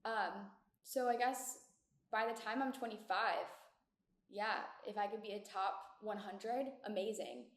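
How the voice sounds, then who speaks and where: A woman's voice: medium pitch, fairly even intonation, measured pace. A woman in her twenties hosting a casual solo podcast, talking in an upbeat, chatty way with lots of filler words, recorded in an echoey community room. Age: 20s. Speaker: podcast host. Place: echoey shared community room in an apartment building.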